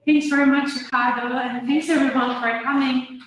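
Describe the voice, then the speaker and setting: A woman's voice: high voice, steady tone, moderate pace, fairly bright tone. A woman from Turkey giving an academic seminar presentation as a guest university lecturer. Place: university seminar room, indoors. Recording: distant mic, very echoey room, faint noise.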